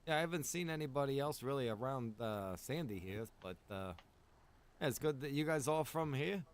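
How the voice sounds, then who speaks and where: A man's voice: medium pitch, animated, moderate pace. A man improvising casual in-character chat in an online roleplay game, with a hesitant, easygoing manner. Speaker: roleplay game streamer playing a survivor.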